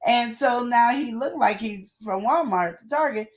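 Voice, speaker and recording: A woman co-hosting a live relationship advice show, talking in casual chat with emphatic, animated storytelling and quoted asides. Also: fairly high pitch, measured pace, crowd noise, rough recording.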